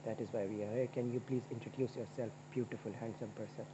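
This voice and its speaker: A man's voice: medium pitch, fairly even intonation, fast talker, noisy background. Young man from Pakistan, joking chatty student, dull lo-fi sound, insects buzzing behind. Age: young adult. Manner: joking, chatty, asks questions. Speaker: university student. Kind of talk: casual paired discussion.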